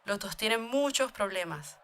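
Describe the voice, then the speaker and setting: Bright woman chatting through lesson lines. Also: medium pitch, expressive, moderate pace, clean tone. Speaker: dialogue reader in a language lesson. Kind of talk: scripted beginner dialogue.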